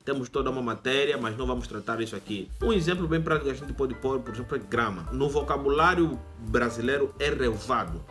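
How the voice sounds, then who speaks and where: With few pauses and a fast pace, the young Angolan YouTube host explains things casually in his Angolan Portuguese accent, adding asides for his audience in an educational monologue. The man's mid-range voice is a bit bright, and soft music plays underneath.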